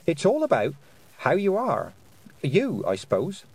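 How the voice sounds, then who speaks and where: A man voicing a sharp, earnest young farm girl who talks things through out loud. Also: a little high, huge pitch swings, unhurried, slightly rough, dry recording, voice pushed up, heavily acted, rough recording. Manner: earnest, reasoning aloud.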